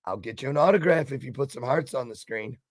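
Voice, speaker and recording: A man's voice: mid-range voice, quick pace, no echo, studio quality. A man hosting a casual online talk show, chatty and upbeat with a playful, showman-like way of talking.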